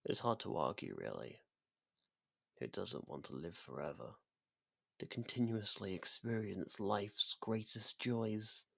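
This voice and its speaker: Man acting a slow, gravelly, seductive ancient vampire. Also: on the low side, animated, sharp tone, no room sound, studio quality, full character voice. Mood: seductive, dreamy. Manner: slow, deliberate, theatrical, often dropping to a whisper. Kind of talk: ASMR roleplay monologue.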